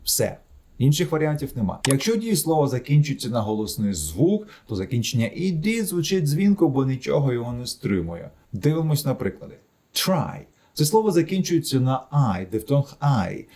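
Man teaching a lively pronunciation lesson. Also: mid-range voice, a little fast. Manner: explaining patiently, repeating word examples in drills. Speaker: English teacher. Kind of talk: recorded grammar lesson.

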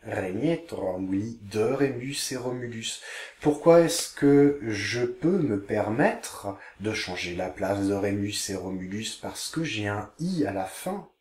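A man teaching Latin online, reading Latin phrases slowly and carefully before translating them. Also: on the low side, animated, darkish tone, roomy sound. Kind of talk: online language lesson.

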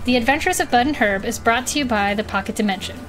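A woman announcing the credits of an audio drama in an even, scripted way. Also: fairly high pitch, quick pace, music in the background.

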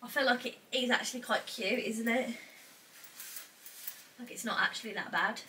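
A young woman from England, speaking British English, vlogs casually while sorting clothes in her small, cluttered bedroom wardrobe room. Her voice is on the high side, moderately paced and a little congested from a cold, and she chats as she thinks out loud, saying "like" a lot. A camera across the room catches her on a distant mic with faint noise.

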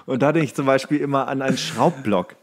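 A man's voice: medium pitch, quick pace. A male podcast co-host chatting casually about practical things in a colloquial, jokey, rambling way. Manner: colloquial, jokey, loose and digressive. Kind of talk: casual, rambling chat about tools and DIY.

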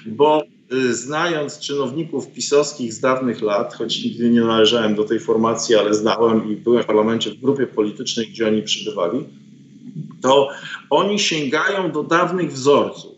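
A man's voice: mid-range voice, steady tone, moderate pace, slight background noise. Middle-aged male guest, hesitant and indignant, full of ums, roomy dull webcam sound. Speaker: guest commentator, professor. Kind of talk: political interview over video call. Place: home study with bookshelves. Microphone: video call webcam. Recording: roomy, dull lo-fi call audio.

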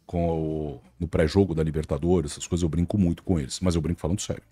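Brazilian man, TV presenter guest, fast husky lively talk, low voice. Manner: animated, acts out quotes of colleagues. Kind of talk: casual podcast chat.

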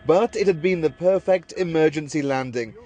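Male news reporter, higher-pitched. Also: moderate pace, warm tone, faint music behind. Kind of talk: scripted news report narration.

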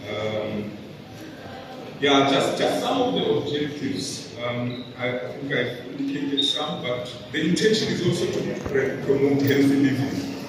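A middle-aged man presenting at a podium in a large indoor mall venue, with a halting delivery full of fillers and repeated words. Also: mid-range voice, animated, background noise. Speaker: event organizer presenting at a launch. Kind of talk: public presentation speech. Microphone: podium microphone. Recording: echoey hall recorded from far off.

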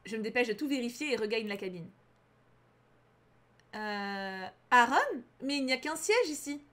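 A young woman reading a visual novel aloud as a let's player, animated and often exclaiming in outrage. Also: fairly high pitch, normal speed.

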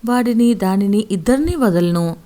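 A woman voicing a stern, proud middle-aged village father who scolds and shouts in fury. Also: medium pitch, lively intonation, normal speed, lightly acted. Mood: furious.

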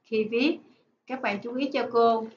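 High-voiced woman teacher dictating, echoey room. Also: fairly even intonation. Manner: dictating, deliberate, enunciating word by word. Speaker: primary school teacher. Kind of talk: slow dictation-style lesson for children. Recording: echoey room, dull sound, faint noise.

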